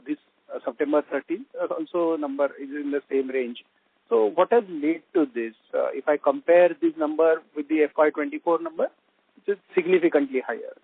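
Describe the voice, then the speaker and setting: Husky, higher-pitched Indian man on phone line. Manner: hesitant, repetitive phrasing. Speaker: analyst caller asking questions. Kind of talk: earnings call questioning. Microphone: telephone.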